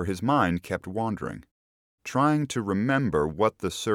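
Lively intonation in plain reading aloud, with a quiet background

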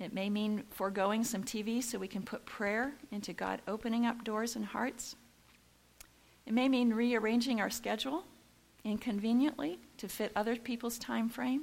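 A woman with a Midwestern accent, fairly high in pitch, at a moderate pace and with fairly even intonation. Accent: American Midwest. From Michigan, US Midwest. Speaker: missionary. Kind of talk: sermon.

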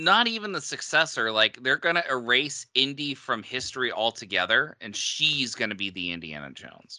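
Male voice with vocal fry and a bright, sharp tone, very wide pitch swings, big swings in loudness and a moderate pace. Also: medium pitch for a man, hardly any pauses. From New England. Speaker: podcast co-host. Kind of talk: casual chat.

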